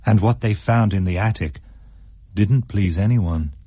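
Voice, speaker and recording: A man reading a story aloud in a measured, wry narration. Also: lowish voice, mellow, husky, no echo, clean studio sound. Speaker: story reader.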